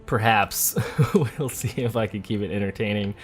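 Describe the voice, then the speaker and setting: A man giving relaxed, chatty gameplay commentary as a let's play host, thinking aloud as he goes. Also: fairly low pitch, moderate pace. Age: adult, parent of a school-age child. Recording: game music behind the voice. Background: video game music.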